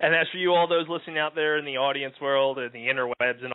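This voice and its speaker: In an American accent, a man with a plain, everyday voice speaks at a fairly high pitch with fairly even intonation. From New Jersey. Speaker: podcast host. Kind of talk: casual comedic chat.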